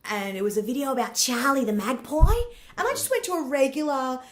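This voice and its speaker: A woman's voice: sits high, lively intonation, a little fast. An Australian woman in her thirties, a comedian chatting as a podcast guest, rambling with lots of laughter. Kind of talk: casual interview chat.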